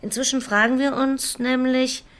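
A woman playing a composed, persistent police investigator in a crime radio drama, with a measured, formal, probing way of speaking. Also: sits high, steady tone, a bit bright. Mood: probing, controlled.

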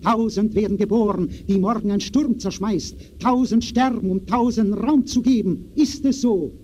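An actor playing a theatrical radio narrator who addresses listeners in rhetorical, rhymed verse in the style of a 1920s radio play. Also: male voice, high voice, moderate pace, mellow, natural voice. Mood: urgent, rhetorical. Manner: declamatory, rhetorical, rhymed delivery. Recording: dull, noisy early radio recording.

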